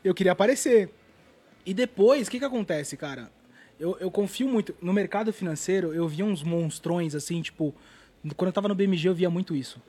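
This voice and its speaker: A man tells stories at a rapid clip, his voice pitched high with a husky grain. He talks in an animated, slangy way and drops casual swears. He is a guest artist in a relaxed interview.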